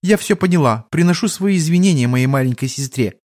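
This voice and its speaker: A man's voice: a little high, lively intonation, brisk, darkish tone, close to an everyday voice. A man voicing a proud white-haired young serpent woman who speaks insistently, in a lecturing way. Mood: explaining.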